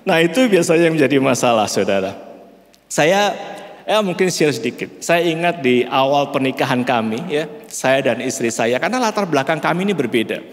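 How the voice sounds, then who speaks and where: A lively male pastor from Central Java, Indonesia, preaches a sermon in a high voice within a reverberant church hall. His delivery is slow and measured, and he often calls his listeners "brother".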